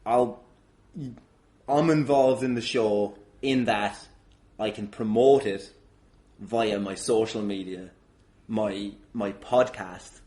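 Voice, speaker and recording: A man's voice: on the low side, steady tone, slow, mellow. A man hosting a wrestling podcast, arguing indignantly and comically with plenty of swearing. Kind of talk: improvised comedic argument on a podcast.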